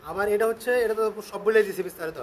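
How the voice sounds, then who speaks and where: A man with a Bangladeshi accent giving a casual product demonstration and sales pitch, explaining step by step and often repeating himself. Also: very fast, slight background noise. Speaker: shop seller presenting a product on his channel.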